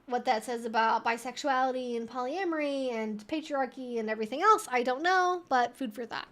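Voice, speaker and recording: A woman's voice: sits high, fairly quick, a bit bright. A woman hosting a casual live Q&A, chatty and rambling as she thinks aloud while answering viewers. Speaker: livestream host answering viewer questions. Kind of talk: casual live Q&A chat, reading out viewer messages.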